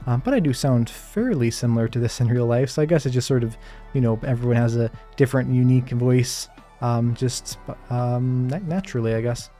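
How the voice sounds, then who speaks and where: A man giving calm, soft-spoken live gameplay commentary while answering chat questions, with plenty of hedges and fillers. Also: medium pitch, fairly quick, soft background music. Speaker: Minecraft streamer.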